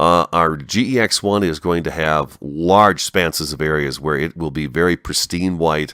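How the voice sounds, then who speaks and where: Recorded very cleanly with a silent background and a dry, close sound with no echo, a man with a very deep, low voice speaks in a bright, sharp tone with fairly even intonation. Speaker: gaming video creator. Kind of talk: let's play commentary. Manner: hesitant fillers.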